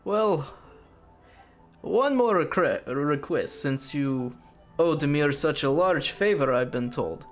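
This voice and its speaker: A man's voice: fairly high pitch, expressive, takes it slowly, faint music behind. A man voicing a blunt, hard-drinking Russian traveler in a tabletop game, hesitant and dry-humored. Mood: sly.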